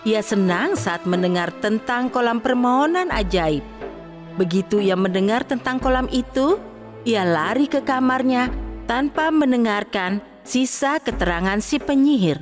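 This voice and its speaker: A woman's voice: a little high, animated, a little slow, soft background music. A woman narrating a scripted children's fairy tale as the storyteller.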